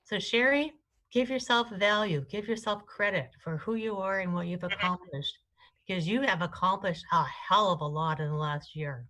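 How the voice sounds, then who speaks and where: A woman's voice: mid-range voice, moderate pace, a bit bright, low-quality recording. A woman who co-hosts a wellness show, giving astrology readings to callers in a chatty, affectionate way with frequent restarts. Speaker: astrologer and co-host. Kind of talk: live call-in readings.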